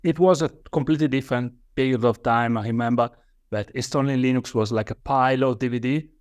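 A man's voice: medium pitch, steady tone, fast, no echo, studio quality. A man from Italy with an Italian accent, speaking English as a guest on a podcast interview, hesitant with many fillers and restarts. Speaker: guest author.

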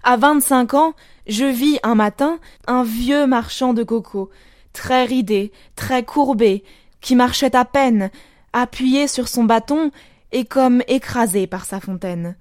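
A woman reading a classic short story aloud in a measured, deliberate way, with dramatic pauses. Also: fairly high pitch, a little mellow, dry recording, studio quality. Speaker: audiobook narrator.

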